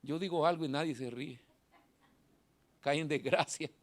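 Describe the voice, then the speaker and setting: A middle-aged male pastor, preaching a sermon in a church hall. He has a thin, nasal voice and swings from shouting to quiet asides. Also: fairly high pitch, normal speed.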